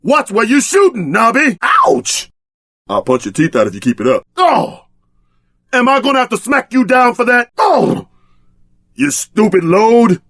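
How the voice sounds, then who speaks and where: A man's voice: extremely high pitch, huge pitch swings, unhurried, fairly bright tone, dry recording, clean studio sound, exaggerated voice. An actor voicing a brash, trash-talking tough-guy sidekick in a video game, bombastic and streetwise in exaggerated combat barks. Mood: angry, threatening.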